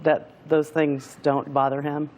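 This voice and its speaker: A woman appearing as a guest on a talk show, telling her story in a hesitant, halting way. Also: deep voice, little pitch movement, dark tone. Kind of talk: emotional personal testimony.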